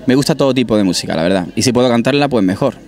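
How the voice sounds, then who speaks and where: A man's voice: mid-range voice, animated, very fast, a little mellow. A young man from Málaga, chatting modestly with a few restarts while being interviewed outdoors on a restaurant terrace with a handheld mic. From Málaga, Spain. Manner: friendly, modest, many restarts. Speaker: singer interviewed. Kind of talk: casual interview chat. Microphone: handheld mic held by interviewer.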